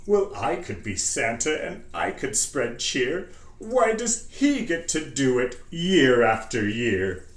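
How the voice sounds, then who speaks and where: Storybook skeleton schemer, male reader, grand and dramatic, slow delivery with big pitch swings. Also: very animated. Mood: indignant, yearning. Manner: dramatic, drawn-out delivery with swelling emphasis. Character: theatrical skeleton schemer, grandly eager to be Santa. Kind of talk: storybook character reading in verse. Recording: roomy echo.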